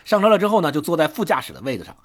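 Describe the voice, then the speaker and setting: Fast, animated husky-voiced male storyteller. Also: on the high side. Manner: animated, lots of fillers and restarts. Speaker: podcast host. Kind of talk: casual storytelling.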